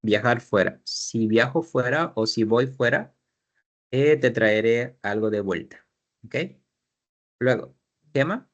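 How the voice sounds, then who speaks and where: A man's voice: mid-range voice, slow pace, pauses often, dull audio. A man teaching an English class, explaining grammar in Spanish, repeating his students' sentences and asking guiding questions.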